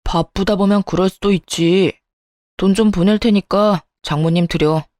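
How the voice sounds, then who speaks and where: A woman's voice: mid-range voice, fairly even intonation, normal speed, a little mellow, no echo, studio quality, close to an everyday voice. A woman voicing an arrogant doctor husband who talks down to his wife and brushes off her complaints. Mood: dismissive. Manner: condescending, nagging, brushing off complaints. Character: arrogant dismissive doctor husband, adult man. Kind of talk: Korean story radio reading.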